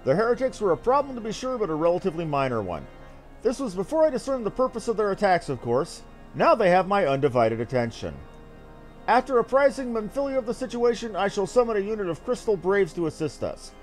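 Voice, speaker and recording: A man voicing an earnest, self-assured young noble scholar from a fantasy game, reading dialogue in a formal, measured way. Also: high-pitched, darkish tone.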